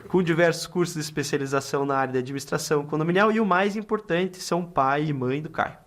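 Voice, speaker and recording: A man's voice: fairly high pitch, fast, fairly bright tone, slight background noise. A middle-aged man with a Brazilian accent, a lawyer hosting a casual podcast interview, talking chattily with lots of filler tags and restarts.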